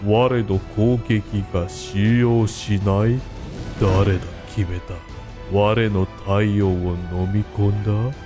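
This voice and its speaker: A man's voice: fairly low pitch, fairly even intonation, measured pace, over music, pitched below the performer's own voice, natural voice. Pompous, arrogant anime warrior, done by a man. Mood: haughty, menacing. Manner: pompous, declamatory. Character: arrogant, proud anime warrior man speaking theatrical Japanese. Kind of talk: amateur anime voice-acting demo.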